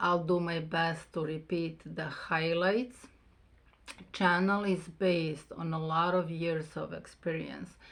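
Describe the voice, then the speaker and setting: Speaking at a very slow pace, a woman with a Serbian accent keeps a monotone, flat intonation. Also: fairly low pitch for a woman. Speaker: spiritual channel host. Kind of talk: casual channel announcement. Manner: halting.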